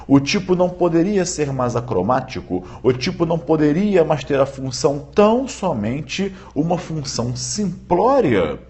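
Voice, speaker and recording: A man giving a live-streamed law lecture, often checking in with viewers and repeating key points slowly for emphasis. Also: a little high, darkish tone. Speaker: law teacher.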